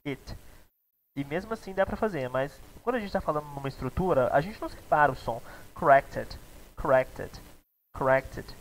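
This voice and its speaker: A man's voice: fairly high pitch, a little hiss or hum, low-quality recording. Chatty Brazilian man teaching a live class. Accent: Brazilian Portuguese. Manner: casual, chatty, repeats words and checks with "tá?". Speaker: English teacher.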